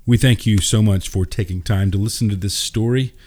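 A man narrating as a podcast host and storyteller, with an earnest, unhurried delivery. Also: lowish voice, a little mellow. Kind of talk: scripted story narration and informal podcast sign-off.

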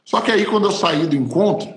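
A man's voice: high-pitched, animated, fairly quick. A man, a pastor, telling a personal testimony in an emotional, emphatic way. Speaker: pastor and podcast host. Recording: roomy echo.

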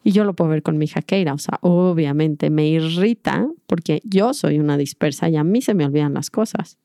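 A woman's voice: deep voice, fairly quick, dark tone, no echo, studio quality. A middle-aged woman gives a reflective, earnest talk to an audience about mindful parenting, acting out little dialogues as she goes.

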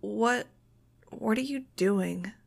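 A woman's voice: medium pitch, moderate pace, creaky, close to an everyday voice. A woman voicing a groggy, irritable, sardonic teenage boy for an audiobook, in a grumbling manner. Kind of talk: audiobook character voice.

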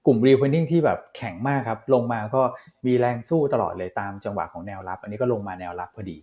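Male market analyst, mid pitch, quick and chatty, casual financial commentary. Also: expressive, mellow.

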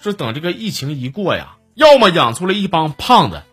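A man's voice: fairly high pitch, sing-song, brisk, fairly bright tone, husky, faint music behind. A man with a Northeastern Mandarin accent hosting a comedy show, telling funny stories and reading out listeners' jokes with a teasing, chuckling delivery. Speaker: podcast host.

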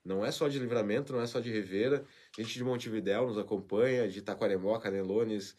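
A man's voice: lowish voice, quick pace. Chatty male show host. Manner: emotional, warm farewell talk with frequent "né?". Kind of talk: live-stream show chat, reading viewer comments.

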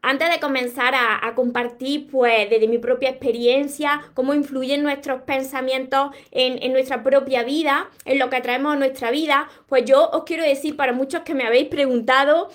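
High-voiced Andalusian woman, earnest and encouraging. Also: fairly even intonation, normal speed, hardly any pauses. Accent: Andalusian Spanish. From Córdoba, Andalusia, Spain. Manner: earnest, encouraging, addresses viewers directly. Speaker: motivational content creator and author. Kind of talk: motivational live-stream talk.

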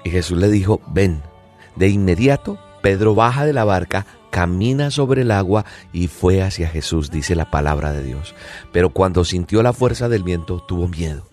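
A man's voice: deep voice, expressive, moderate pace, darkish tone, soft background music. A man giving a devotional reflection on a Bible passage, speaking earnestly and addressing the listener directly. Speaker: preacher.

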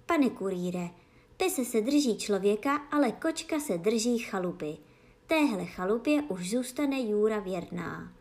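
A wise old grandmother speaks calmly and slowly, as a woman reads her. She sounds homely and matter-of-fact, a fairy-tale granny. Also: mid-range voice, natural voice.

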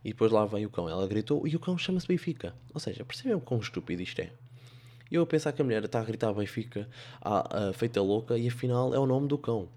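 A man's voice: lowish voice, animated, fast, warm tone. A young man with a European Portuguese accent hosting a podcast, telling comic stories in a sarcastic, rambling, playful monologue. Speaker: podcast host.

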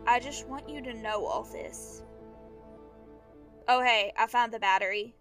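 Slow-paced, earnest young Fae companion, played by a woman. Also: a little high, fairly bright tone, soft background music. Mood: uneasy, casual. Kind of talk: audio drama acting.

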